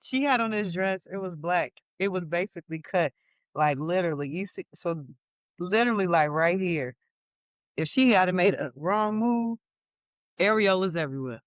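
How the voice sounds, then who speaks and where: Chatty woman with a lowish voice. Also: lively intonation, moderate pace, no echo. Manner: chatty, laughs often, retells gossip. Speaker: podcast co-host. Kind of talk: casual chat.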